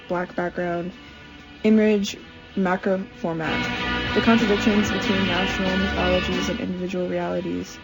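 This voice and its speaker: A woman's voice: mid-range voice, rough recording. A woman giving a spoken description of an artwork in a plain talking voice. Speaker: filmmaker.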